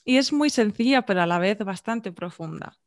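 Chatty young Castilian-accented podcast host. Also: female voice, medium pitch, expressive. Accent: Castilian Spanish. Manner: chatty, warm interjections, quick restarts. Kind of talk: casual interview chat. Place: home room, video call. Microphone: large studio mic on boom arm.

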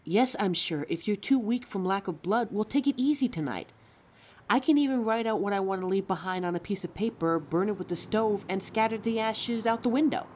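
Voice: mid-range voice, brisk, a little mellow, slight background noise, close to an everyday voice. A performer playing a caring, anxious young werewolf partner in a roleplay audio drama, tender and fussing, stammering when flustered. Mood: worried, insistent.

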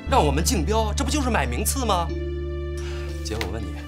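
An earnest younger brother in a TV drama, pressing hard with pointed questions. His fairly high voice moves a lot, with music under him. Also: wildly swooping pitch, brisk. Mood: worried.

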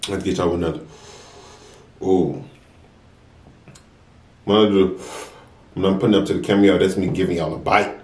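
A young man with an American accent and a lowish voice talks casually to his viewers between bites. His speech is informal and slangy. The sound is roomy and echoey, picked up a little away from the mic. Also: steady tone, moderate pace, long pauses, darkish tone. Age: young adult. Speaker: mukbang vlogger. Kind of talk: casual chat to viewers while eating. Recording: roomy echo, distant mic.

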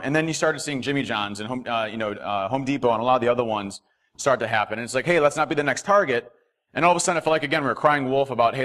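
Man, keynote speaker, rapid delivery, average pitch, podium mic, hotel ballroom. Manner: fast, animated, frequent fillers and restarts. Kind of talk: conference keynote talk.

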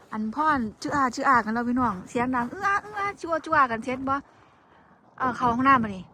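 A woman's voice: high voice, noisy background. A woman with an Isan accent, chatting casually to her viewers and complaining at length, addressing them as siblings. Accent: Isan (Northeastern Thai). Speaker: vlogger. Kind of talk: casual talking vlog to viewers. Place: outdoors walking in the cold.

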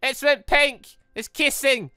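An excitable let's player rambling and exclaiming while commenting on a game and reading its dialogue aloud. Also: high-pitched, takes it slowly, no echo, studio quality.

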